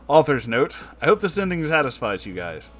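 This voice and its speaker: A man reads a comic story aloud in a medium-pitched voice. His delivery is emphatic and dramatic, and music plays underneath. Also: sing-song, fairly quick, a bit bright. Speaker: story narrator and channel host. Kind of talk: dramatic comedic story reading.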